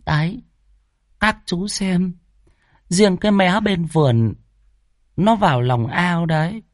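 Man putting on a high chatty old village woman. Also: slow, no echo, clean studio sound. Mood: gossiping. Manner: gossipy, lively telling.

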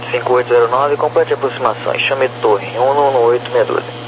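A Brazilian man works as an air traffic controller, issuing procedural instructions at a middle pitch. The radio channel is dull and muffled, with clear hum and noise. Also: steady tone, fast talker. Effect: aviation radio. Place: aviation radio transmission.

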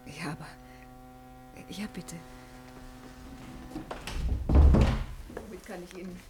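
A woman's voice: lowish voice, fairly even intonation, drawn-out words, heavy background noise. A shy white-haired spinster for radio drama. She is modest and flustered, speaking hesitantly and warily in short, timid phrases. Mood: timid, puzzled. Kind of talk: German radio drama acting.

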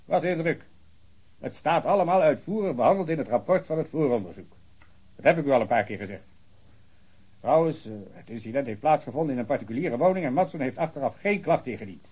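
An actor playing a long-winded, pedantic police officer in a radio drama. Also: male voice, mid-range voice, lively intonation, a little fast, darkish tone, husky. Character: fussy male police officer reading a report.

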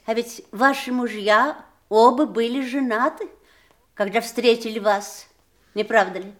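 Proud, high-voiced prickly wife. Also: female voice, measured pace, fairly bright tone. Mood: cutting, righteous. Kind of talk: theatrical audio drama acting.

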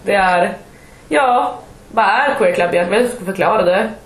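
Chatty young woman in echoey room. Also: medium pitch. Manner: chatty storytelling, animated retelling. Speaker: podcast co-host. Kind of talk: casual chat.

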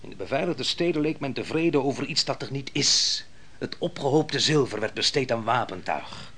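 An actor playing a proud, ruthless biblical army commander in a radio drama, speaking in a grand, declamatory style. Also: male voice, medium pitch, expressive, moderate pace, sharp tone, slightly rough. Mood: grave, scornful. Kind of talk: theatrical radio drama monologue and dialogue.

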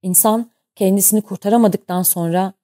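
A woman's voice: mid-range voice, steady tone, a little fast, warm tone, natural voice. A woman voicing a harsh, domineering male ship captain who barks and scorns in an audiobook. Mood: mocking, cold. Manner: barking, scornful.

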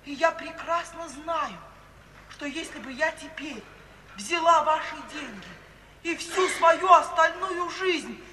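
An actress playing a proud, principled young daughter in an old radio play, with a firm declamatory delivery. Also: female voice, sits high, lively intonation, slow pace, sharp tone, exaggerated voice. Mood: firm, indignant. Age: young adult. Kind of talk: 1950s Russian radio theatre acting. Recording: echoey, distant 1950s radio play with hiss.

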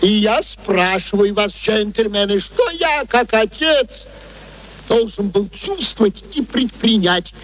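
A man's voice: high voice, lively intonation, slow, fairly bright tone, exaggerated voice, poor audio. An actor in a radio play playing a sly, wheedling working-class father, theatrical and ingratiating in his manner. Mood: ingratiating storytelling. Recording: old radio recording with background noise.

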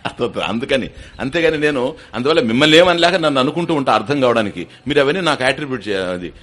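Speaking very fast in an expressive, mid-range voice with a fairly bright tone, an older spiritual teacher delivers a Vedanta discourse to an audience. He works through ideas step by step, frequently quizzing his listeners and dropping in English terms.

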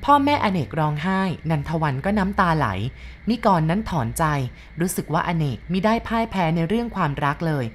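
Female storyteller, expressive, wide-ranging melodic delivery. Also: fairly low pitch, brisk, slight background noise. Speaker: narrator. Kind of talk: storybook narration.

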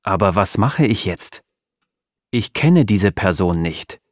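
A man reading the thoughts and replies of a curious young woman, in a slow, plain voice. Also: lowish voice, lively intonation, no echo, clean studio sound.

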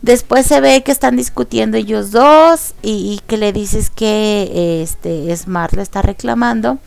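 A young woman with a Mexican accent hosting a radio show, excitedly recapping a series in casual chat. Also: mid-range voice, a little slow, creaky, smooth, no room sound. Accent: Mexican Spanish. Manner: expressive, excitable storyteller.

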